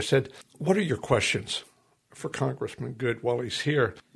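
A man with an American accent talks fairly quickly, his voice somewhat breathy. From Pennsylvania, US. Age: 70s. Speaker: interviewer host. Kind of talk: interview conversation.

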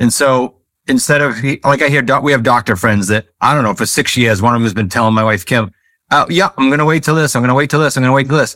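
This man talks very fast in a bright, sharp tone at a medium pitch, with ordinary pitch variation. His loudness stays very even, and the recording is very clean with a silent background. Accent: New England. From New England. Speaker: real estate investor and author. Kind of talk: interview chat. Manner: fast talker.

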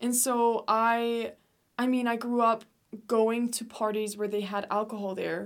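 In a Danish accent, a woman talks at a fairly high pitch and a fairly slow pace. Her intonation is flat, a monotone. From Denmark. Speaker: college student. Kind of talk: casual chat.

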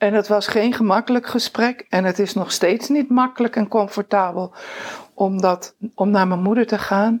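Fairly slow and fairly even in intonation, this is an ordinary speaking voice. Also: woman. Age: 60s. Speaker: funeral celebrant. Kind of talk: casual chat. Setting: at a table.

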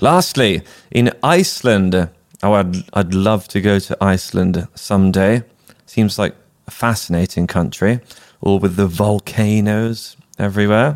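Speaking at a fairly slow pace, a man talks with a southern English accent. His pitch is fairly low. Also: ordinary pitch variation, very even loudness. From Bournemouth, south coast of England. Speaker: English teacher and podcast host. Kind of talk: educational podcast, scripted-style monologue. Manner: animated, enthusiastic, clear simple speech for learners.

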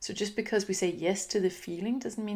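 A woman with a Danish accent speaks with fairly even intonation. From Denmark. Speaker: parenting coach. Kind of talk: solo podcast monologue.

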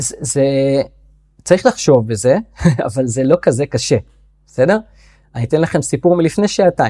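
A somewhat breathy voice moves at a fairly slow pace with lively intonation and long, frequent pauses. The sound is dry and close, with no echo. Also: man, fairly high pitch for a man. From Israel, Jaffa. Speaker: economics teacher and entrepreneur. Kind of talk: interview.

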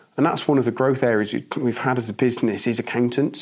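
Very fast and with a British accent, a man talks at a medium pitch with ordinary pitch variation. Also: quiet background. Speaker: company CEO. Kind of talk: business interview. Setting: video recording.

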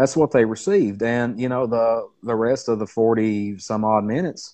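Spoken in a Southern US accent with ordinary pitch variation against a quiet background. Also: man. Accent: Southern drawl. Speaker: paranormal investigator guest. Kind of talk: casual interview, telling personal stories. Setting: video call.

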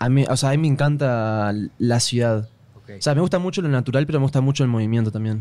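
In a Uruguayan accent, a man with a dark, mellow tone speaks very fast. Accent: Uruguayan Spanish (rioplatense). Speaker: YouTuber. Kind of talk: casual chat.

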